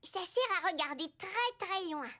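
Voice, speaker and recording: An actor voicing an excitable, curious four-year-old boy in a children's cartoon, with an eager, childlike way of exclaiming. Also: extremely high pitch, moderate pace, exaggerated voice. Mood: amazed.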